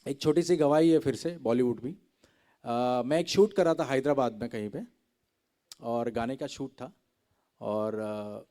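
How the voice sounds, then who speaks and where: A man's voice: medium pitch, dark tone. A man giving a chatty testimony to a youth gathering, telling his story and often checking in with his listeners. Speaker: guest speaker sharing a testimony.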